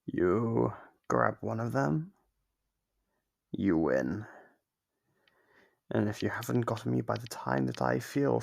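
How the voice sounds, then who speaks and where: A man playing a sadistic, playfully menacing monster captor in an ASMR horror roleplay, with a gravelly, husky voice and a slow, teasing delivery. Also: medium pitch, darkish tone, heavily acted.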